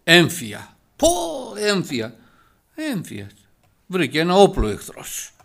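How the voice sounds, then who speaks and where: Gravelly, lively male preacher. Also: on the high side. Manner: lively preaching, rising to emphatic loud passages. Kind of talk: sermon.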